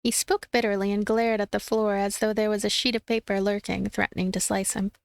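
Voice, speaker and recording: A woman reading a visual novel aloud as a let's play narrator, in expressive, animated storytelling. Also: medium pitch, brisk, vocal fry, smooth, no room sound, soft background music. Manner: animated storytelling, acts out dialogue.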